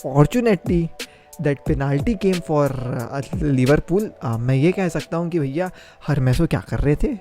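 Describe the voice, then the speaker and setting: A man's voice: fairly high pitch, lively intonation, slow, warm tone, soft background music. A young man gives a casual, opinionated football match review, talking in a chatty and emphatic way.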